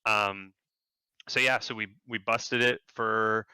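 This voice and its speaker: A man, a game developer, telling work stories in a casual interview, animated and jumping up in pitch when he quotes people. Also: slow, clear, resonant tone, no room sound, rough recording. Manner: animated, acts out quotes in a higher voice.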